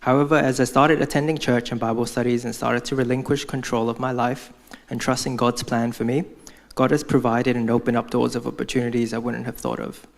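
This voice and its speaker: A man's voice: mid-range voice, vocal fry. A young man from Hong Kong giving a prepared church testimony, speaking earnestly as if from notes.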